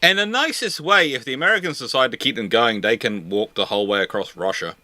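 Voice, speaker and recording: A man's voice: mid-range voice, animated, quick pace, bright, forceful tone, dry recording. A man hosting an informal question-and-answer chat, often stammering and repeating words as he gets going. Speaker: host answering viewer questions. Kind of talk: live question-and-answer chat on naval history.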